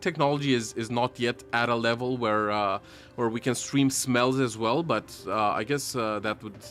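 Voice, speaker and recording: This man talks with a non-native accent. The variation in his pitch is ordinary. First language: not English. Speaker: VR gaming streamer. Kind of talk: live gameplay commentary. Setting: livestream wearing VR headset and earbuds. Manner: halting, many repeated words and fillers.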